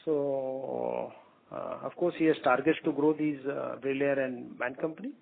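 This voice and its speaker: An Indian-accented man gives unscripted business answers as a senior executive. His delivery is halting, with words and phrases repeated as he goes. The sound is narrow and tinny, like a phone conference line. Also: medium pitch, fairly even intonation, vocal fry. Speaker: company executive answering analyst questions. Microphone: phone conference call.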